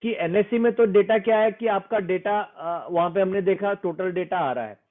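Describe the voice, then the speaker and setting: Man, trading explainer, interview, earnest, persuasive, mixes English phrases, slightly high voice, tinny phone-like audio. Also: normal speed. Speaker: trading expert explaining a method.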